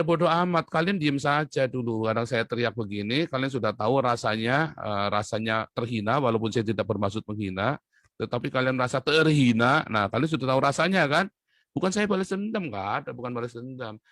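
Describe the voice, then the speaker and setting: A man delivering a heated solo monologue. His voice leaps up sharply on stressed points, then drops to low, quiet asides. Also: no room sound, clean studio sound. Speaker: online commentator.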